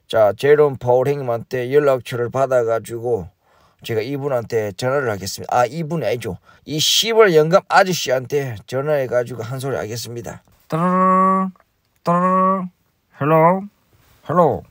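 A man's voice: medium pitch, brisk, no room sound, studio quality. A man hosting a comic stock vlog, groaning and complaining in an exaggerated way. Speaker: stock investing YouTuber.

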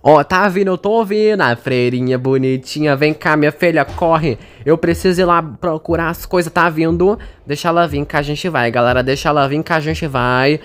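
A woman with a Brazilian Portuguese accent narrates her own horror gameplay in a fairly low voice. She is chatty and jumpy, talking straight to her viewers and to the characters on screen. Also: fairly even intonation, normal speed, hardly any pauses. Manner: chatty and jumpy, talks to the audience and game characters. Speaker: gaming streamer. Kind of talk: casual gameplay commentary.

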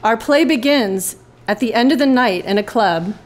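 Female host-narrator for live radio plays, voice a little high, scripted delivery. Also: animated, normal speed. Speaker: host and writer. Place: live in a club.

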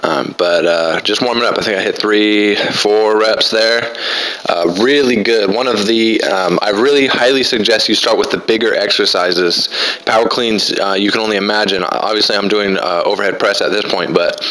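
A man in his twenties giving relaxed, rambling voice-over commentary on his own workout, full of fillers. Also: lowish voice, moderate pace, rough recording. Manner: laid-back, rambling, many fillers. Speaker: fitness vlogger.

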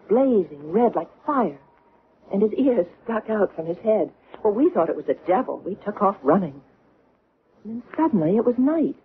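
An actress playing an earnest, haunted middle-aged woman in a vintage radio drama, recalling strange things in hesitant, deliberate, broken phrases. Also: medium pitch, natural voice. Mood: earnest, remembering. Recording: noisy, tinny old radio recording.

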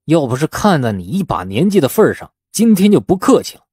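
A man's voice: fairly high pitch, sing-song, fast, slightly rough, no room sound, studio quality. Man acting a hot-tempered, indignant village man. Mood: angry, threatening. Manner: loud, indignant, combative. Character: hot-tempered village man quick to curse his elder. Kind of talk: audiobook character acting.

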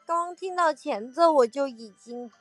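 A woman's voice: sits high, measured pace, no echo, faint music behind. A woman hosting a casual livestream, chatting with viewers and laughing at her own slips of the tongue. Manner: sings along with songs between chatting. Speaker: livestream host.

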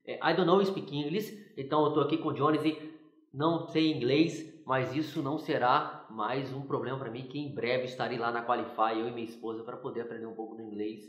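A man's voice: medium pitch, fairly even intonation, brisk, echoey room. A male TV interviewer who chats easily and sums up his guest's points. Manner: chatty, summarizes the guest's points. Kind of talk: interview talk.

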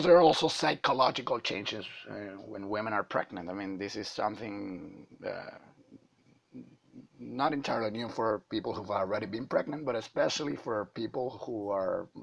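A man with a hoarse voice from a flu, giving a halting lecture over slides to medical students. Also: mid-range voice. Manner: halting, many uh fillers. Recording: dull lo-fi.

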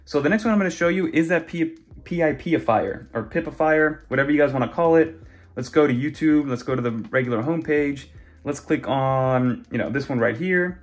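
A man's voice: a little high, brisk. A young man casually walking through tablet browser features in a chatty, conversational way. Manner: chatty, conversational, many fillers. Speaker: tech YouTuber. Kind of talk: casual screen walkthrough.

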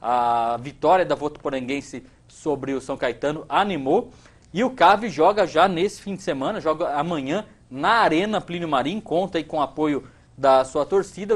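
Brazilian man reading local sports news. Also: on the high side. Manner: relaxed, conversational, many fillers. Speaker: news anchor. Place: TV studio.

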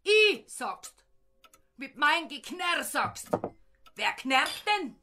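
A woman's voice: high-pitched, very animated, drawn-out words, noisy background, heavily acted. An actress playing a quarrelsome rural woman with a Bavarian accent, nagging indignantly in an audiobook drama. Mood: indignant scolding. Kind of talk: dialect audiobook drama acting.

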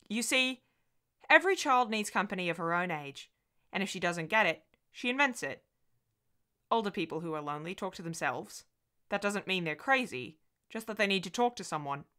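A woman voicing a kindly old male family doctor in an audiobook, measured, explanatory and reassuring. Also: lowish voice, pushed and bright. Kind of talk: audiobook character voice.

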